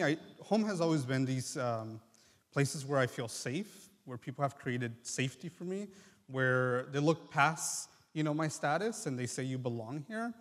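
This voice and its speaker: Twenty-something guy from mexico telling his story, lots of ums, reverby church sound. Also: mid-range voice. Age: 20s. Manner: earnest and reflective, many ums and pauses. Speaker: guest speaker, medical student. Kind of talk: personal testimony. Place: church sanctuary.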